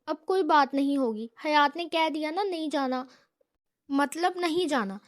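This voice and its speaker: A woman's voice: sits high, close to an everyday voice. A woman reading the stubborn, childish lines of a young woman who talks about herself by name, in a novel.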